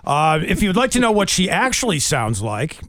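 A man's voice: high voice, big pitch swings, moderate pace, fairly bright tone, no room sound. A man who reads the news and banters on a morning radio show, chatty and full of questions. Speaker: radio news reader and co-host.

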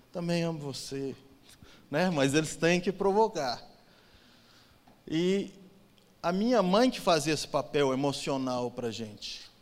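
Emotional testimony, man in a reverberant hall. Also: fairly high pitch. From Brazil. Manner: emotional storytelling, swings from loud to hushed. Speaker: church testimony speaker. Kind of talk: personal testimony in church.

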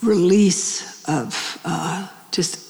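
Slow, gravelly woman in her seventies. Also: fairly low pitch, darkish tone. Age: 70s. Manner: halting and searching, with many pauses and restarts. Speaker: speaker on end-of-life care at a public talk. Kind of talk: reflective talk to a live audience. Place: large hall with an audience. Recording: long hall reverb.

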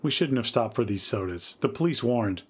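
A man's voice: medium pitch, lively intonation, moderate pace, husky. A man reading the part of a stern, fretful woman in a dramatic story reading. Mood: worried. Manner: stern, worried.

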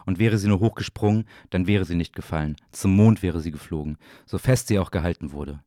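Deep voiced guy doing a brooding spoken literary monologue, soft dark tone, super dry sound. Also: brisk, no echo. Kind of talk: literary audio play monologue, dramatic recitation.

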